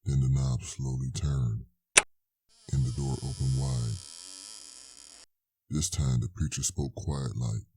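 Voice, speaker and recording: A man narrating a scary story in a deliberate, suspenseful scripted style. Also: a bass voice, fairly even intonation, warm tone.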